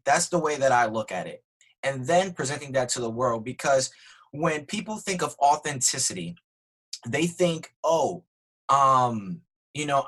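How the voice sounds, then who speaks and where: A man being interviewed as a podcast guest, talking earnestly and growing animated when excited. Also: mid-range voice, slightly rough, rough recording. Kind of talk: conversational interview.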